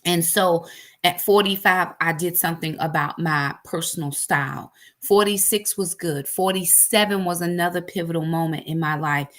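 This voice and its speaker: Lady in her 40s preaching her own story, lowish voice, says things over and over for emphasis. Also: steady tone, moderate pace. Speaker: ministry host. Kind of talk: personal testimony.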